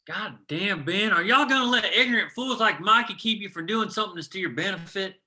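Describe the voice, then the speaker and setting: A man's voice: high voice, fairly quick, pushed and bright. A man playing an earnest, hot-headed miner who rallies others to a union, in a screenplay table read. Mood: confrontational.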